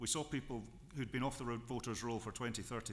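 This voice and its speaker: Speaking very fast with a Scottish accent, a man holds a medium pitch. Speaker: politician. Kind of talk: panel discussion. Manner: emphatic.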